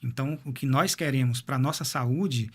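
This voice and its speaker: In a medical interview, a cardiologist talks about heart health in a husky, medium-pitched voice at a moderate pace, frequently repeating words while thinking.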